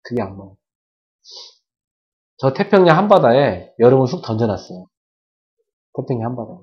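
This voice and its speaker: Animated Korean-speaking pastor, lively pitch. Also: male voice, normal speed. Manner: animated preaching with sound-effect words and questions to the congregation. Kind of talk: sermon. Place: church service. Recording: dull lo-fi church video recording.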